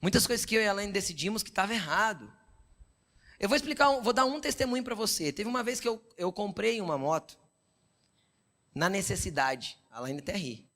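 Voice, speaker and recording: A middle-aged Brazilian pastor preaching a sermon, telling personal stories and often checking that listeners follow. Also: male voice, high voice, expressive, brisk, bright, forceful tone. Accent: Brazilian Portuguese. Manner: conversational preaching with frequent "entendeu?" check-ins; storytelling, quoting God and his wife in dialogue.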